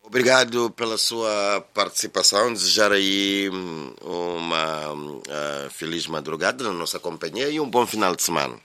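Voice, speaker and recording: A man hosting a late-night call-in radio show, chatty and unhurried, often tagging his sentences with little questions. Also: deep voice, pushed and bright, clear, resonant tone. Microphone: studio microphone.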